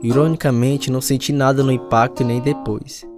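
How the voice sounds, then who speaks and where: A man's voice: mid-range voice, fairly even intonation, brisk, over music, lightly acted. A man acting in a radio drama as a man telling the story of his mischievous, sporty youth. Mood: reflective. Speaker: narrator and lead actor. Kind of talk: dramatized first-person radio narration.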